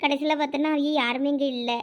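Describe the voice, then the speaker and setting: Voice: sits high, steady tone, fast, close to an everyday voice. A voice actor playing an anxious teenage college girl in a cartoon, speaking Tamil with a Thoothukudi accent, pleading and nervous. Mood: chatty. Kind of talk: cartoon voice acting.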